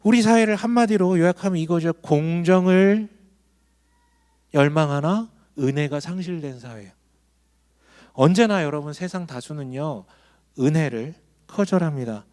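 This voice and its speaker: Pastor, male, high voice, emphatic sermon with questions to the room. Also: normal speed, a little mellow. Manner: emphatic, asks the congregation questions. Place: church hall.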